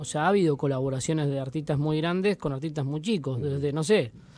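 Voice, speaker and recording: A man's normal speaking voice at a fairly high pitch, in a dry sound with no echo. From Buenos Aires city, Argentina. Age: 30s. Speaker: band manager and music press agent; guest. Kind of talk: radio interview. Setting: radio studio.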